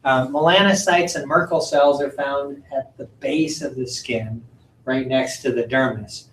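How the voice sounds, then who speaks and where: A man giving a recorded lecture from slides, halting often with ums and uhs and clearing his throat. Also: medium pitch, fairly even intonation, a bit bright, slight background noise, low-quality recording. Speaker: college lecturer.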